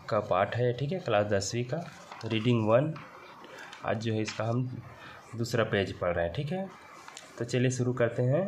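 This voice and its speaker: Hindi-accented male teacher explaining slowly. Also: mid-range voice, a little mellow, slight background noise. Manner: reads English words slowly, then explains them in Hindi. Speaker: English teacher. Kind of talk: classroom lesson explaining a text.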